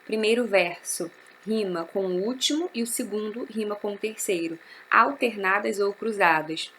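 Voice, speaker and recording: A woman's voice: mid-range voice, normal speed, fairly bright tone, a little hiss or hum. A woman, teaching a recorded literature class and explaining step by step, asking and answering her own questions.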